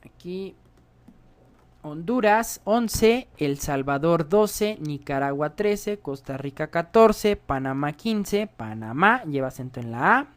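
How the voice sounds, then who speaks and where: A man's voice: a little high, expressive, takes it slowly. Guy explaining code on a screencast, chatty, keeps checking in w/ viewers. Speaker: programming instructor. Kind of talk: screencast coding tutorial.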